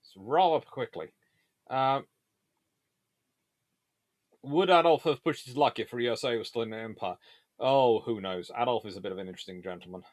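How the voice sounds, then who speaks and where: A man hosts a casual live Q&A, answering viewer questions about naval history in a rambling, discursive way and often correcting himself. He has a mid-range voice, speaks at a moderate pace, and pauses often. The recording is dry, with clean studio sound.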